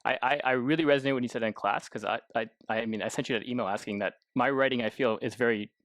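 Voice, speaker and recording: A man's voice: mid-range voice, fairly even intonation, fast talker, a bit bright, dry recording. A man co-hosting a podcast in casual interview chat, eagerly restarting his phrases as he goes. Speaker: podcast co-host. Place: indoors in a house.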